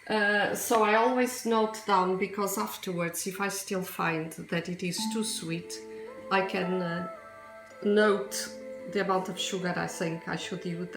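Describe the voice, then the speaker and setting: A woman's voice: mid-range voice, steady tone, measured pace, a bit bright. Chatty Portuguese woman in an echoey kitchen. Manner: chatty, rambling asides, frequent hesitations. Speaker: home cook. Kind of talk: casual cooking demonstration. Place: home kitchen. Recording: echoey kitchen with music behind.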